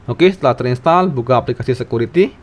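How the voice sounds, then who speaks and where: A man's voice: mid-range voice, fast talker. Man narrating a phone tutorial. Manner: steady, step-by-step instructional reading. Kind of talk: scripted tutorial voice-over. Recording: voice-over with faint background music.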